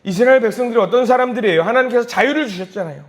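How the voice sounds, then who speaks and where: A man's voice: extremely high pitch, racing. A man preaching a dawn sermon as pastor, telling a story animatedly and acting out its voices. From South Korea.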